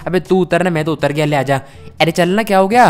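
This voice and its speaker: A man hosting a Hindi gameplay role-play, talking loud and slangy, often scolding. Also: a little high, quick pace, smooth, faint music behind. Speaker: gaming channel host.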